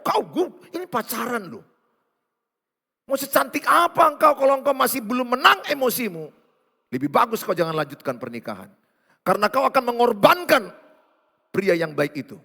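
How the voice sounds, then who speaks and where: Lively, high-voiced pastor preaching. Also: male voice, gravelly. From Indonesia. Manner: lively, teasing, acts out quoted voices, swings between loud and hushed. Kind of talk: sermon. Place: large church hall. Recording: long hall reverb.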